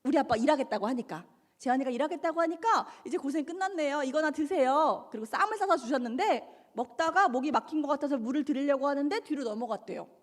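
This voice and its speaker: A woman's voice: high-pitched, animated, fast talker. A woman giving an emotional testimony talk to a church congregation, acting out the dialogue she tells of. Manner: storytelling, acts out quoted dialogue, emotional swings. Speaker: guest speaker in church. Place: church sanctuary. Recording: long hall reverb in church.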